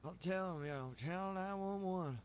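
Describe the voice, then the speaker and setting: Agreeable, folksy man with a high voice. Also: moderate pace, smooth. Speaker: player in a zombie survival roleplay server. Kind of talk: casual in-character roleplay chat.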